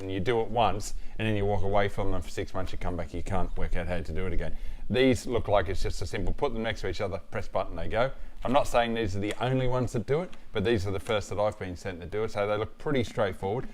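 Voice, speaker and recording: A man's voice: on the low side, a little hiss or hum. An Australian man giving a casual product review as a motorcycle gear reviewer, plain-spoken and matter-of-fact.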